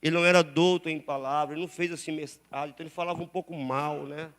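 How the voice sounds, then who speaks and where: A Brazilian man preaching in a church, his voice sitting high for a man. He leads the congregation in call-and-response, urging them to repeat his lines and praise aloud. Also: steady tone, quick pace, fairly bright tone. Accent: Brazilian Portuguese. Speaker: pastor. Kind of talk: sermon. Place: church sanctuary.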